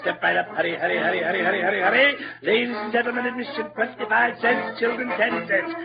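A man's voice: steady tone, fast, creaky. A man voicing a grandiose, self-pitying old con-man actor with a pompous, theatrical manner, in a 1940s radio play. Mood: barking. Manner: booming carnival barker when drumming up crowds. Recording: dull lo-fi old radio recording with music.

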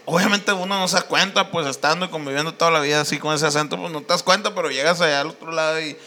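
Guy with a high bright voice, joking around with his buddies, lots of laughs. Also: steady tone, fast talker. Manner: laughing, swearing, quoting people in put-on voices. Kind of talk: casual chat among friends.

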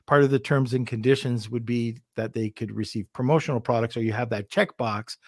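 A man's voice: medium pitch, steady tone, a little fast, no room sound, clean studio sound. A man with a Canadian accent hosting a podcast, asking questions in an easygoing, casual way. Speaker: podcast host.

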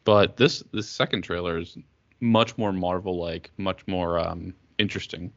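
A man's voice: low-pitched, fairly even intonation, moderate pace, a bit bright, no echo, lo-fi sound. Man, podcast host, casual chat, wry, dry close sound.

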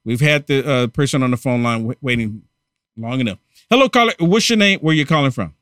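A man's voice: mid-range voice, expressive, brisk, fairly bright tone, no echo, studio quality. A man hosting a political talk show, ranting emphatically and taking calls. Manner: heated, emphatic, repeats himself. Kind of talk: political talk radio commentary.

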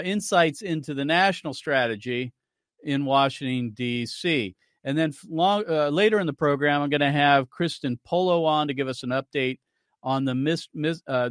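A male radio talk show host delivers forceful, argumentative commentary, stopping clips to rebut them. His voice sits somewhat high for a man. The studio sound is dry and close. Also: no echo. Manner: emphatic, argumentative, cues clips to play.

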